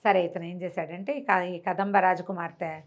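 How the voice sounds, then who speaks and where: A woman's voice: lowish voice, flat delivery, moderate pace. A woman with a Telugu accent telling a folk tale conversationally, explaining as she goes and acting out dialogue in her own voice. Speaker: storyteller.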